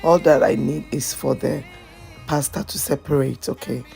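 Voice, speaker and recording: A woman hosting a cooking video, chatty and hoarse from a flu, often checking in with "okay?". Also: very deep voice, fairly even intonation, normal speed, warm tone, soft background music. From Ghana. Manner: chatty, repeats phrases, asks "okay?" often. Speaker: cooking channel host. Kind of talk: casual cooking tutorial.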